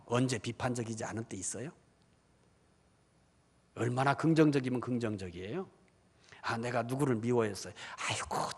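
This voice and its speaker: Male pastor preaching, fairly high voice, lively, keeps asking the crowd stuff, long church hall echo. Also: breathy edge. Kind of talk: sermon.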